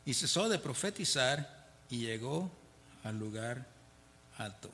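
Speaking slowly but with animation, this medium-pitched man has a sharp tone over a faint hiss or hum. He teaches a Bible study in a conversational way, reading and explaining verses while frequently asking his listeners "¿verdad?" The hall is reverberant, and he chuckles between points.

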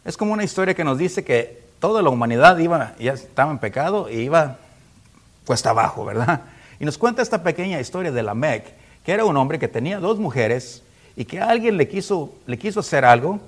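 A man's voice: on the high side, big pitch swings, brisk. A man preaching a sermon, reading scripture aloud in a raised voice and asking the congregation questions.

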